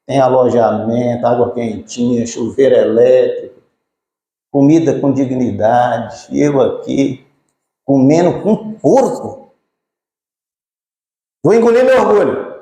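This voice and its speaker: A man telling a story in a sermon, colloquial and lively, addressing the congregation by name. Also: mid-range voice. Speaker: preacher. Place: church. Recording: echoey church hall.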